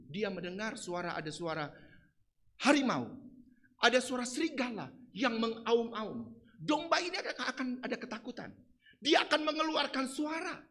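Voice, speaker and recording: Man preaching in church, high voice, lively pitch, shifts from quiet to shouting. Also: moderate pace. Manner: swings from soft to shouting. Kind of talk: sermon.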